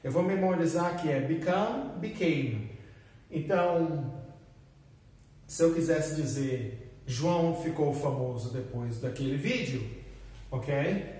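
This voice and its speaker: A man teaching an English lesson in a classroom, explaining slowly and repeating drill phrases. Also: a little high, lively intonation, mellow. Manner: switches between explaining and acted example exclamations, slow repeated drills. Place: classroom with whiteboard. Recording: echoey room, voice from a distance.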